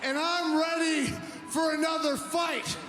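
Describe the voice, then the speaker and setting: Shouting, taunting man in an echoey arena. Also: extremely high pitch, steady tone, measured pace, loud music behind the voice. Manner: taunting, insulting, cocky. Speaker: wrestler cutting a promo. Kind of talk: shouted wrestling promo. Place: arena with a live crowd. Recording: echoey arena with loud crowd noise.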